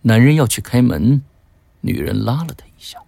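A man narrating a suspenseful story in a slow, hushed way. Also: mid-range voice, animated, vocal fry, dry recording, studio quality.

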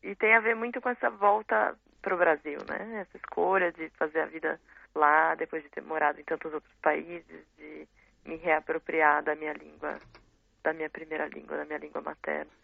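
Brazilian woman on a gravelly phone line. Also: sits low, little pitch movement, moderate pace, no room sound. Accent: Brazilian Portuguese. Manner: reflective, searching for words, frequent tag questions. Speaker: guest poet. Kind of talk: casual interview talk. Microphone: phone call. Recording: tinny dry phone line.

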